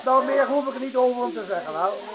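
An actor playing a pompous self-styled registrar, making bombastic, halting, repetitive ceremonial speeches in a radio play. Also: male voice, extremely high pitch, low-quality recording. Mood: grandiose. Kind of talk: theatrical radio play acting. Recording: radio play with crowd noise.

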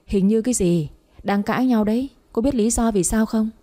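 A woman's voice: a little high, normal speed, dark tone, close to an everyday voice. A woman doing a sneering rich older lady. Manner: sneering, mocking. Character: scornful rich older woman, future mother-in-law.

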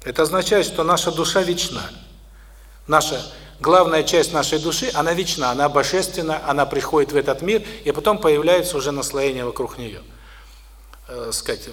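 A middle-aged man giving a spoken lecture to an audience, unhurried, with many pauses and restarts. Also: on the high side, fairly bright tone.

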